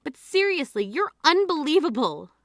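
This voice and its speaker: A woman's voice: high voice, very animated, moderate pace, dry recording, clean studio sound. A young woman playing an exasperated, grieving sister who scolds her sibling in a scripted drama. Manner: scolding, indignant.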